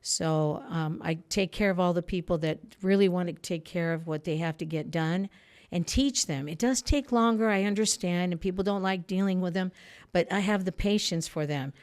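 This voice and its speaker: A political candidate whose first language is Spanish answers earnestly as an interview guest, her rambling sentences often breaking off. Her voice is lowish, smooth and darkish, at normal speed.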